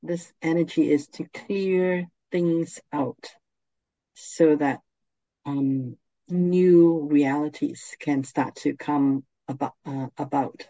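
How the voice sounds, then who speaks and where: A meditation guide speaking in a soft, soothing, gentle way, unhurried and with long pauses. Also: mid-range voice, fairly even intonation, no room sound, dull audio.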